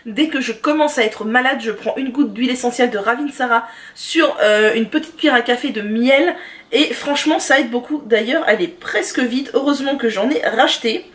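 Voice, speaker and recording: A woman vlogger enthusiastically reviewing her favorite products in a chatty, casual way, often pausing with "euh". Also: on the high side. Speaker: beauty and lifestyle vlogger. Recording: voice distant from the mic.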